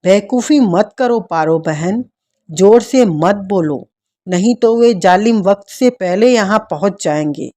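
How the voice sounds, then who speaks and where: Storybook: hushed, urgent young noblewoman , read by a woman; slow, mellow. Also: mid-range voice, lively intonation, close to an everyday voice. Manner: hushed, whispering.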